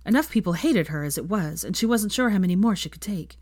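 A woman reading a fan fiction story aloud, narrating and voicing the characters with small shifts in pitch. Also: expressive, fast talker, a little mellow, dry recording, studio quality.

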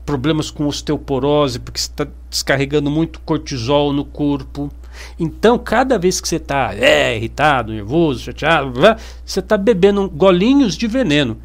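A man with a Brazilian Portuguese accent giving a motivational self-help talk, speaking emphatically and piling up repeated words as he addresses his audience directly. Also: fairly high pitch.

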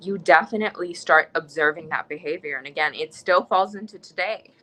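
A woman's voice: lowish voice, a little fast, fairly bright tone, low-quality recording. A young woman from the United States speaking in an interview, earnest and impassioned, often restarting her sentences. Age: young adult. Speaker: interviewee, student. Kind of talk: conversational interview.

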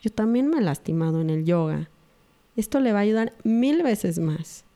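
A middle-aged woman talks earnestly to an audience about raising her children. Her voice is mellow and relaxed, at a middling pitch, and she acts out what others say as she goes. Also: normal speed. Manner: earnest, acts out quoted dialogue. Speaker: mother sharing parenting advice. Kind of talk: reflective talk to an audience.

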